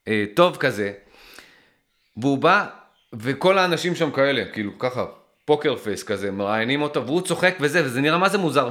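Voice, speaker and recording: A man from Israel talking to his viewers in a casual, rambling monologue, often stopping and restarting as he thinks aloud, and getting emphatic. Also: on the high side. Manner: animated and emphatic.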